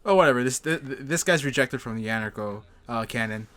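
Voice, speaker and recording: A man co-hosting a podcast in casual chat, excitable and sarcastic, swearing freely. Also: mid-range voice, quick pace. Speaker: podcast co-host.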